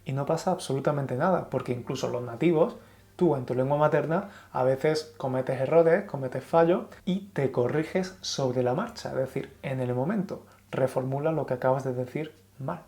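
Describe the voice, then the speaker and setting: Man, Andalusian Spanish accent, language teacher, warm mellow tone, encouraging, rephrases points. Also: medium pitch, moderate pace. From Spain. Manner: encouraging, reformulates points for learners. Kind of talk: explanatory video lesson.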